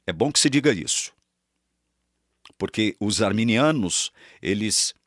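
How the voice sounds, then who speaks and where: A man's voice: lowish voice, expressive, unhurried, fairly bright tone, no echo, clean studio sound. A man teaching Reformed doctrine, emphatic and repeating phrases for stress. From Brazil. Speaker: Reformed preacher.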